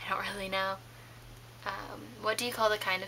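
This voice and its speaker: Over light background noise, a woman speaks at a medium pitch in a monotone, flat intonation. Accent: American. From Kentucky, US. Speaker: vlogger. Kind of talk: casual talk to camera. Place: home room. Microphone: webcam.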